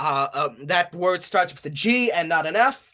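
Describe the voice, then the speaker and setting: A bright, sharp tone comes through. The speech moves at a moderate pace. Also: man. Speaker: game commentator. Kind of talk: live commentary. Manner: hesitant, many fillers; quieter to avoid waking people.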